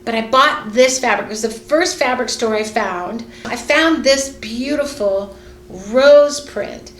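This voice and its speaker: A woman's voice: a little high, slow pace, a little hiss or hum. A middle-aged woman, a fashion designer, chatting casually and rambling with lots of fillers as she sews in her studio. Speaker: fashion designer and sewing vlogger. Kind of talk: casual chat while sewing. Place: sewing studio indoors. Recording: echoey room with faint ambience.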